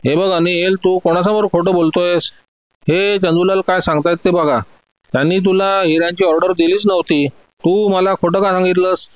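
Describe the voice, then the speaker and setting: A shrewd police inspector presses his questions in a firm, steady voice, as a man puts him on. The voice is lifted above the storyteller's own, and the recording is dry and muted. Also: a little high, normal speed, no room sound, dull audio, voice pushed up, lightly acted. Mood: stern. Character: stern male police sub-inspector, shrewd and calm.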